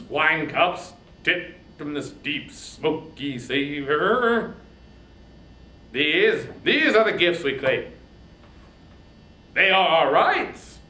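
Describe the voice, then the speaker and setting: Performer playing a commanding, booming king of the gods. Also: pushed and bright, echoey room, exaggerated voice. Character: Zeus, commanding male king of the gods, grandly proud.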